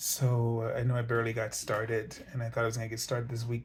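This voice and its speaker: In an American accent, a man talks at a medium pitch. A somewhat breathy quality runs through his voice. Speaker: angel tarot reader. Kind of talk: spiritual reading monologue. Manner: halting, many fillers.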